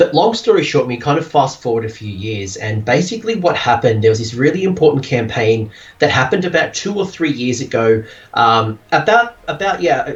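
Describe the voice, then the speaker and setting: A man's somewhat breathy, medium-pitched voice with an Australian accent, fairly quick, with very wide pitch swings. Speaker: wargaming youtuber and coach. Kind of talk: casual chat. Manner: hesitant, many fillers and repeats.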